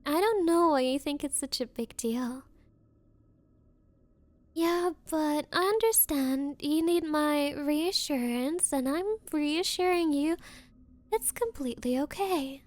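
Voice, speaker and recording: High-voiced bratty rich girlfriend, acted by a woman. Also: animated, no room sound. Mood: smugly reassuring. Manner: coaxing, falsely patient, haughty, halting. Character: bratty spoiled rich yandere girlfriend, young woman, condescending, possessive. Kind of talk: ASMR roleplay, girlfriend addressing listener.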